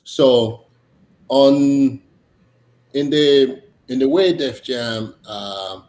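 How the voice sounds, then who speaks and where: A man's voice: mid-range voice, darkish tone. Man in an echoey room. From Tanzania, East Africa. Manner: halting, many fillers and restarts. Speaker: guest comedian. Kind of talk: casual interview chat. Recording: echoey room, faint noise.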